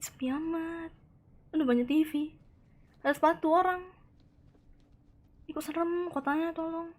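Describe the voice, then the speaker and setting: A woman streaming a horror game live, chatting excitedly, reacting aloud and answering her chat, tossing in Japanese words. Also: extremely high pitch, normal speed. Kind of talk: live gameplay commentary.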